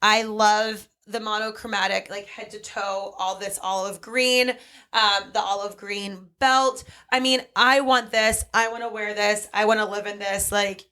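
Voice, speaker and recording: A woman's voice: mid-range voice, fairly even intonation, unhurried, bright, forceful tone. A woman from a bridal salon, chatting on a podcast and gushing about wedding dresses. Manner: gushing, enthusiastic. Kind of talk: casual podcast chat.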